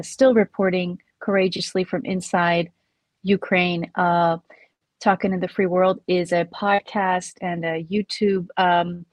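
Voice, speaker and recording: Woman host, lowish voice, dry sound, measured and hesitant, video call interview. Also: darkish tone, no echo. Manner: measured, hesitant with many fillers. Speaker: podcast host.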